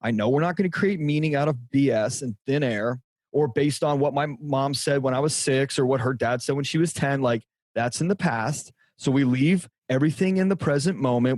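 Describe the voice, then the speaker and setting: A man's voice: mid-range voice, fairly quick, darkish tone, no echo. A middle-aged man, a guest on a podcast, speaking directly and emphatically about relationships. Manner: emphatic, direct, repeats for stress. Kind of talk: conversational interview.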